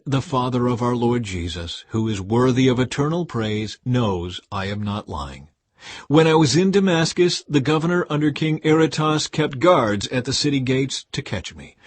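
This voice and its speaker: A man narrating scripture from a script, with earnest, deliberate and expressive phrasing. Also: mid-range voice, slightly rough, dry recording. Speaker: Bible narrator. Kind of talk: scripted scripture reading, modern-language audio Bible.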